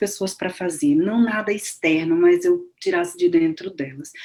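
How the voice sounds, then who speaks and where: In a northeastern Brazilian accent, a woman speaks fairly slowly at medium pitch with a dark, mellow tone. Her pitch swings very widely. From Northeast Brazil, Recife, Pernambuco. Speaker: lawyer and coach. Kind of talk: interview.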